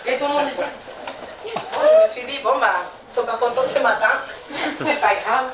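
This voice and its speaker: A woman's voice: high-pitched, normal speed. A woman from Venezuela with a Venezuelan Spanish accent, a native Spanish speaker in her twenties, doing a chatty, self-mocking stand-up show and laughing at her own jokes. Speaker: stand-up comedian. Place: stage in a small venue with a live audience. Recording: echoey room from far off, noisy.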